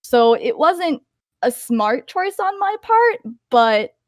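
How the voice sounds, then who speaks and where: A young woman with a fairly high voice talks through an interview in a loose, chatty way. She restarts her sentences often and leans on lots of ums. The sound is dry and close. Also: big pitch swings, takes it slowly, no echo. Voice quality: higher-pitched voice. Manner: chatty, many fillers and restarts. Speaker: voice actor guest. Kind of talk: casual interview answers.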